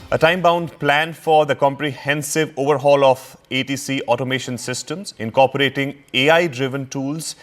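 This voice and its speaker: A male news anchor with an Indian accent presents a breaking update at a middle pitch. His delivery is somewhat halting as he moves between reading and questioning, and music runs underneath his voice. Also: a bit bright.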